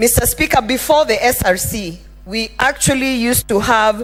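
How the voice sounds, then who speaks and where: A woman's fairly high voice at a moderate pace, with lively intonation and music in the background. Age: young. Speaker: senator. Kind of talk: parliamentary speech. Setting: parliament chamber. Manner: formal.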